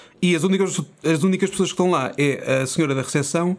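A man with a high pitch against noticeable background noise. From Portugal. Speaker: traveller. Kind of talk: casual chat. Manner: animated.

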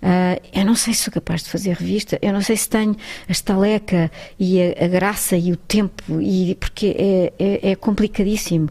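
This woman has an unremarkable speaking voice at medium pitch. She talks at a moderate pace with fairly even intonation. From Lisbon, Portugal. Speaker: actress. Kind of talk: interview.

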